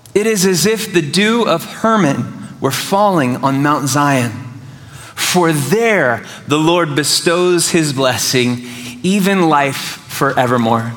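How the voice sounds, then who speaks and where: Very slowly and with very even loudness, a man speaks at a fairly high pitch with lively intonation over noticeable background noise. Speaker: preacher. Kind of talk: sermon to a live congregation, Bible teaching with call-and-response amens. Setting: church. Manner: warm, animated and encouraging, conversational with vivid scene-painting; interactive, pausing to invite the crowd to respond.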